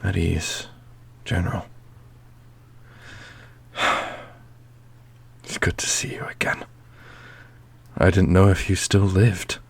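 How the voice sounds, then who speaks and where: A man voicing a weary veteran captain, centuries old, with a measured, dryly bantering manner in a fantasy roleplay. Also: sits low, level tone, creaky, slightly rough, whispered, exaggerated voice. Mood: warm, teasing. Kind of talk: ASMR fantasy audio roleplay.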